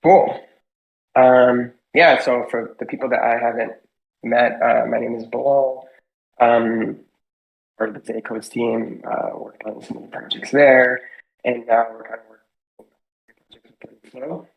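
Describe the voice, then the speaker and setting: A man's voice: mid-range voice, level tone, a little slow, vocal fry, pauses often, narrow, tinny audio. A man speaking on a video call in a casual, hesitant way while his audio cuts in and out from a bad microphone connection. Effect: voice cutting in and out on a bad connection. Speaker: developer presenting in an online community call. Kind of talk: casual online meeting talk.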